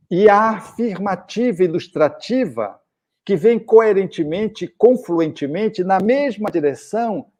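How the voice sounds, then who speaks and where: A man's voice: on the high side, mellow. A middle-aged man from Brazil giving a spiritist lecture, telling anecdotes and acting out short bits of dialogue.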